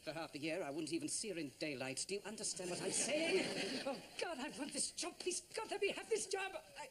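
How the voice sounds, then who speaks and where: A man's voice: on the high side, sing-song, brisk, heavy background noise. An actor playing a scheming, ambitious male teacher who veers between smug and desperate. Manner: smug, then frantically desperate. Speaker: senior teacher at a school.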